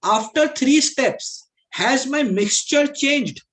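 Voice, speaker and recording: An extremely high, expressive, slightly bright male voice speaks slowly with a South Asian accent. In this aptitude class he explains step by step, reiterates his points, mixes Hindi into English, and often pauses to ask questions that check understanding.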